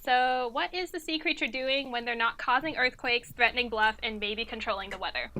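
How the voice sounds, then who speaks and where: A woman's voice: fairly high pitch, brisk, sharp tone. A woman hosting a quiz, reading out trivia questions and chatting casually with the players. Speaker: quiz host.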